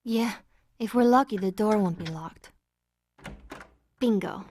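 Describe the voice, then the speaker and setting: A woman's voice: medium pitch, slow, darkish tone. A woman playing a friendly, casual young woman with a breezy, teasing way of talking in a naturalistic video game style. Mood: breezy, playful. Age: young adult.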